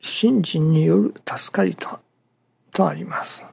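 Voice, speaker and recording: A minister giving a morning sermon in a halting, measured way, breaking phrases with pauses and dropping some words to a near-whisper. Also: medium pitch, vocal fry, a little mellow, breathy edge.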